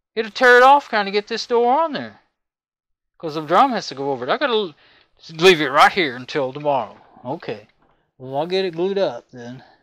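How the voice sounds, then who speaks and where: A man with a high, bright, sharp voice talks at a fairly quick pace, making very wide pitch swings and long, frequent pauses, with a quiet background. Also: big swings in loudness, dry sound with no echo. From Texas. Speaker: DIY video maker. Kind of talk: appliance repair tutorial. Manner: rambling, thinking aloud. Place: home room.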